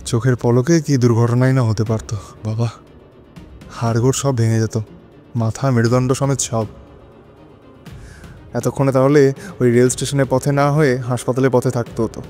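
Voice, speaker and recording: An actor playing an anxious, hesitant widower in an audio drama, speaking dramatically in halting short phrases. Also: male voice, mid-range voice, little pitch movement, dark tone, close to an everyday voice. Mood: shaken relief. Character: anxious, hesitant widowed lover narrating his own unease. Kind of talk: Bengali audio drama narration and dialogue. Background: dramatic music.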